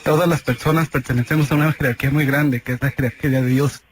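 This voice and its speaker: A man's voice: medium pitch, fairly even intonation, very fast. A man hosting a live radio call-in, speaking politely but firmly in a replayed broadcast recording. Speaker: radio host taking a paranormal call. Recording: replayed radio call with faint noise and clicks.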